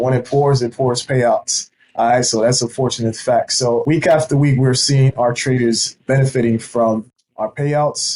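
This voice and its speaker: A man speaks at a moderate pace with medium pitch and monotone, flat intonation. His voice is somewhat breathy, with a dark, mellow tone. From Caribbean (Haiti roots). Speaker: podcast host. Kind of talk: interview. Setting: video call.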